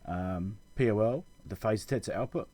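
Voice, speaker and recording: A man giving an informal technical explanation as a channel host, halting and correcting himself as he thinks aloud. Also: fairly low pitch, warm tone. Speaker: electronics repair channel host.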